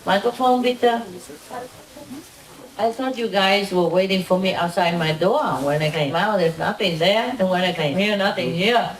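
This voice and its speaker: A woman's voice: medium pitch, measured pace. A woman who is not a native German speaker, with a foreign accent, talking casually to a group in short, simple, often repeated phrases as a teacher. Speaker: spiritual teacher leading a gathering. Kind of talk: casual informal talk to a group. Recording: echoey, distant mic, crowd around.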